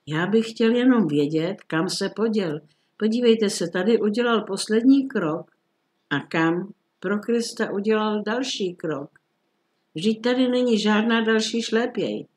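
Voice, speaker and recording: Guy doing a nervy jittery townsman, all shook up, pushy, a bit higher. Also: close to an everyday voice. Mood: agitated. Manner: excited, trembling, insistent. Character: nervous, agitated middle-aged townsman.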